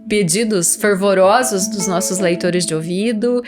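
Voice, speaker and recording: Brazilian woman cohosting a book podcast, explains stuff chattily, medium pitch, bit of guitar music behind. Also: normal speed. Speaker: podcast co-host. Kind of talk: conversational literary discussion.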